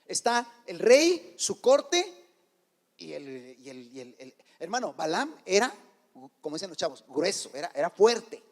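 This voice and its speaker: A man's voice: high voice, sing-song, unhurried. A man preaching a sermon, retelling a Bible story colloquially and acting out the characters' lines. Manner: colloquial Mexican slang, addressing listeners as brother. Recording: reverberant church hall.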